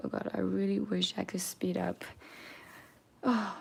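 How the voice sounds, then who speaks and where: A woman with a non-native accent is speaking. She goes at a fairly slow pace. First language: not English. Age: 20s. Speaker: journaling and art content creator. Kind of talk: live stream casual chat. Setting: live stream. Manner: chatty, halting.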